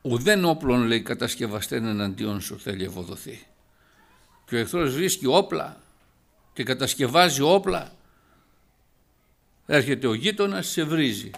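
A man preaching a sermon, lively and rising to loud emphatic passages. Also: medium pitch, gravelly, pauses often.

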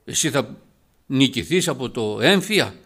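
A man preaching a sermon, lively and rising to loud emphatic passages. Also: medium pitch.

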